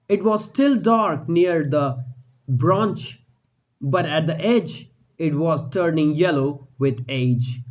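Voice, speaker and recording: Slow, measured male story reader. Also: a little high, a little mellow, rough recording. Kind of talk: scripted narration.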